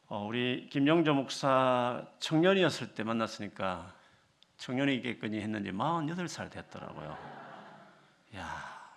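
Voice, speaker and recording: A man's voice: medium pitch, very animated, normal speed, gravelly, fairly bright tone. A man in his fifties, a visiting missionary, greeting a church congregation in a chatty, self-deprecating way. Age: 50s. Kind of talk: sermon greeting.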